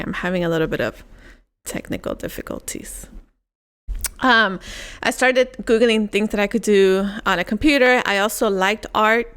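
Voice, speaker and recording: A woman's voice: medium pitch, fairly bright tone, clean tone. A young woman from Puerto Rico chatting casually as co-host, rambling and laughing as she tells her story. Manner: rambling, laughs often, restarts thoughts. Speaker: podcast co-host. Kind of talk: casual chat.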